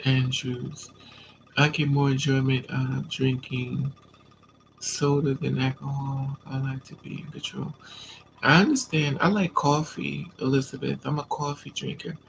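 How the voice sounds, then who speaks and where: A man's voice: medium pitch, gravelly, slight background noise, poor audio. A man with a stuffy nose from a coming cold, chatting casually on a live stream and answering viewers' comments. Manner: relaxed, chatty, talks back to commenters.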